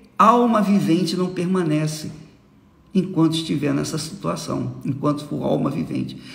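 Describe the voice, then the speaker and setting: A man's voice carries audible room echo. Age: 70s. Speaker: preacher. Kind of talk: sermon.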